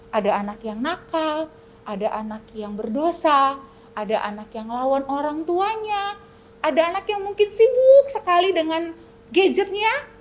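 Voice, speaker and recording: High-pitched lady telling kids a story, goes loud then hushed. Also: a little hiss or hum. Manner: dramatic, swinging between loud and hushed. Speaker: Sunday school teacher. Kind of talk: storytelling to children.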